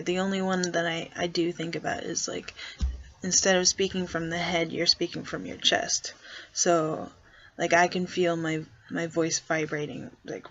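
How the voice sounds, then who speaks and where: A young trans guy talks slowly and hesitantly in a casual vlog, with a gravelly, creaky edge. He deliberately pushes his voice lower as he speaks. The recording sounds dull and lo-fi. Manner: hesitant, soft-spoken, consciously pitching voice lower. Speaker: vlogger.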